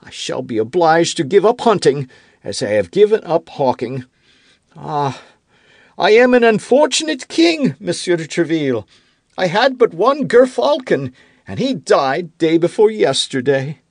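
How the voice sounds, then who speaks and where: A man voicing a fretful, self-pitying king who turns irritable and accusing, with a high, whiny, petulant voice in an audiobook. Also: big pitch swings, measured pace, a little mellow, no echo, clean studio sound, full character voice. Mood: complaining. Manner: rising into indignant outbursts. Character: fretful, self-pitying middle-aged king, quick to anger. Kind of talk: audiobook character reading.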